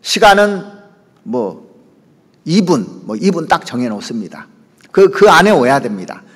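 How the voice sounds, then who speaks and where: A man preaching to his congregation with a highly animated voice that jumps high and sinks low. His words ring out with a long reverb trailing behind them in a church sanctuary. He keeps turning to the listeners with quick asides. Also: breathy edge. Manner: lively preaching, pitch leaps and drops, asides to the congregation. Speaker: pastor. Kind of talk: sermon.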